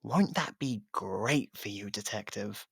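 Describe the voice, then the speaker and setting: A man playing a guarded, sarcastic, foul-mouthed convicted murderer in an ASMR roleplay audio drama, with a gravelly, creaky voice. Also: lowish voice, takes it slowly, a bit bright, no room sound, clean studio sound, heavily acted. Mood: cold, warning. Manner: sardonic, foul-mouthed, needling.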